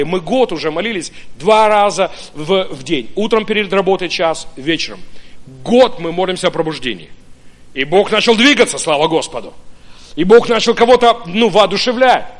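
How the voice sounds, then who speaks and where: A pastor from Ukraine preaching a sermon, telling his own story in an animated way with many hesitant fillers. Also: high-pitched. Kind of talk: sermon with personal testimony.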